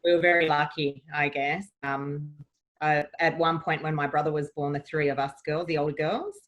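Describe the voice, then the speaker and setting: In a casual interview, this Australian guest in her forties happily recalls growing up, chatty and upbeat. She speaks low and steady at a moderate pace, and the recording is of low quality.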